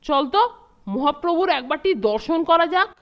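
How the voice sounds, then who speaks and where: A woman's voice: high-pitched, expressive, normal speed, muffled recording. A woman voicing a crafty, chummy young schoolboy in a comic cartoon, speaking colloquially over music. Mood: curious, chummy. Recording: loud music behind the voice.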